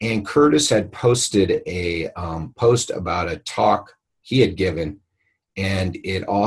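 A somewhat breathy male voice, pitched fairly low. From California. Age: 50s. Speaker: podcast host, physical therapist. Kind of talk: interview.

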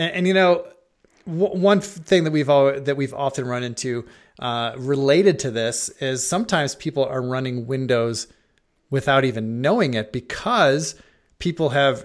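On a very clean recording with a silent background, a man with an American accent uses a normal speaking voice, a fairly high pitch, ordinary pitch variation and a moderate pace. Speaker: podcast host. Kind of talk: casual interview chat. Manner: friendly, chatty.

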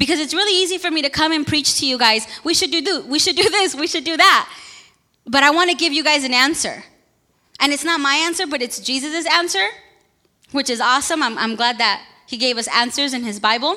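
A woman's raised, projected voice, high-pitched and bright and sharp in tone, with lively intonation at a fairly quick pace. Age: 30s. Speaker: pastor. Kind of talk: sermon.

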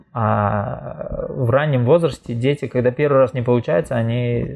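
This man's medium-pitched voice comes across as somewhat breathy. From Tajikistan. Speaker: emotional intelligence speaker. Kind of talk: podcast conversation.

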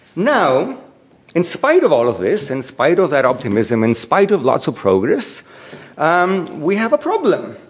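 Over noticeable background noise, a man with a high pitch speaks fairly slowly, his pitch swinging very widely. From Chile. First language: Spanish. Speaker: public policy dean, economist. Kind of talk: lecture. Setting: stage with audience.

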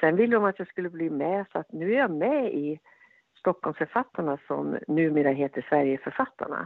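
A woman's fairly low voice carries lively intonation. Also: moderate pace. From Dalarna, Leksand. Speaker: writer and CBT therapist. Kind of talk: interview. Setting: phone call. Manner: halting.

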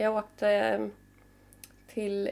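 A woman talking at a fairly slow pace. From Sweden, Mariefred (Södermanland). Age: 40s. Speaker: coach. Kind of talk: casual chat. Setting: at her home.

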